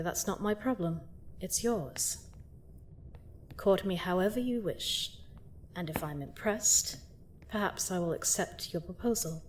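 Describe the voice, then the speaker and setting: A woman's voice: lowish voice, a little hiss or hum. A woman playing a seductive, gloating vampire queen in a fantasy audio drama, theatrical and mock-sweet as she menacingly toys with her captive. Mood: teasing mock-sweet. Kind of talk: scripted roleplay audio drama monologue.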